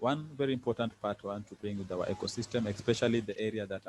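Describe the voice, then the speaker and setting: Somewhat breathy and fairly low in pitch, a man speaks at a very fast pace. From Kenya, Mombasa coast. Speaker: environmental advocate. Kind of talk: panel talk.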